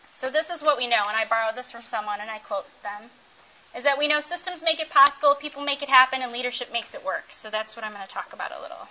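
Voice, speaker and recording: Bright, high-voiced woman working the crowd. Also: lo-fi sound, slight background noise. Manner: playful, teasing banter with the audience. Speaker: workshop presenter. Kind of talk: interactive talk quizzing the audience, crowd work.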